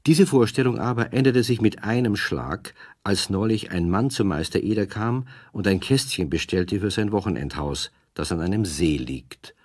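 A calm storyteller for a children's audio play. His voice is low and husky, recorded close and dry, narrating in storybook style. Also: moderate pace, hardly any pauses, dry recording.

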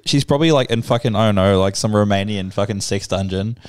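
A man's voice: on the low side, quick pace, clear, resonant tone. A young man co-hosting a casual podcast from a living room couch into a handheld mic, joking crudely and swearing a lot. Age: young adult. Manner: swears a lot, jokes loudly. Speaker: podcast co-host.

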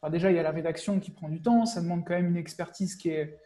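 A young man interviewing a guest over a video call in a relaxed, encouraging way, through an earphone mic. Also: on the high side, fast talker. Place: home room with bookshelves.

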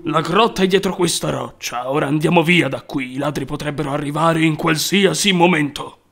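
An actor voicing a man with a gravelly voice in a cartoon fairy tale about thieves. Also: mid-range voice, brisk, soft background music, natural voice. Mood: anxious, urgent.

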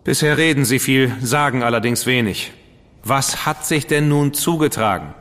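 A man's voice: mid-range voice, normal speed, a bit bright, natural voice. A man playing a witty, mocking dandy. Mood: ironic. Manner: ironic, mocking, theatrical. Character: witty, theatrical male dandy, ironic and fastidious. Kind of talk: German radio drama acting. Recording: long reverb with music behind.

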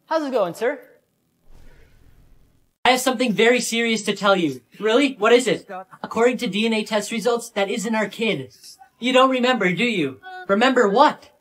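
A man's voice: very high-pitched, moderate pace, a bit bright. Young guy doing a serious dramatic parent in a skit, paternity test reveal style. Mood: grave. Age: young adult. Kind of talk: short comedy skit dialogue.

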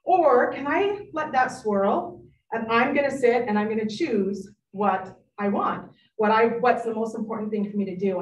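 A middle-aged woman giving a live workshop talk to parents, animated and lively, acting out friends she quotes. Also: medium pitch, slight background noise. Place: meeting room. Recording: echoey room, distant mic.

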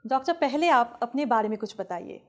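A woman's voice: on the high side, animated, fairly quick. A young woman anchoring a TV health talk show, formally introducing the guest and asking questions in a studio. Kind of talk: scripted show hosting. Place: TV studio set.

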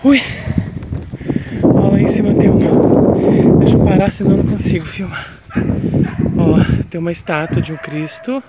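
High-voiced man vlogging outdoors. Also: expressive, normal speed, long pauses. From Brazil. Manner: chatty, keeps addressing viewers as "gente". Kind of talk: casual walking vlog. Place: outdoors on a city street. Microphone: handheld phone camera while walking. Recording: noisy outdoor phone recording. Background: street traffic and outdoor ambience.

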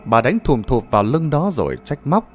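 A man's voice: mid-range voice, very animated, normal speed, faint music behind. A man narrating a ghost story in a dramatic, suspenseful manner.

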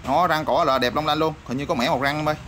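A man showing off used motorbike parts in a rapid, repetitive sales patter full of fillers. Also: a little high, steady tone, fairly bright tone. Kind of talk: casual product showcase sales patter. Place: parts shop or workshop. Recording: noisy backdrop with passing vehicles.

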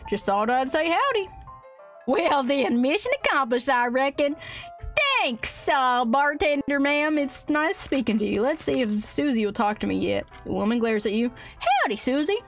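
A woman's voice: high-pitched, animated, unhurried, faint music behind. A woman streaming a game in a goofy, put-on country drawl, exclaiming and giggling as she plays. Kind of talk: in-character let's play commentary.

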